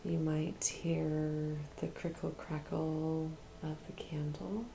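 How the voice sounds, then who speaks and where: A woman leads an ASMR guided meditation in a hushed, soothing voice. She speaks extremely slowly with long pauses, sometimes slipping into a whisper. Her tone is dark and mellow with plenty of fry, over faint room hiss. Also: low voice, level tone, rough recording. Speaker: Reiki practitioner and meditation guide.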